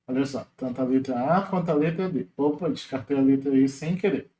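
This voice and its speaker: A man walks through exam questions as a teacher, in a casual, explanatory way, slowing down to spell out syllables. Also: medium pitch, warm tone, echoey room. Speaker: Portuguese teacher.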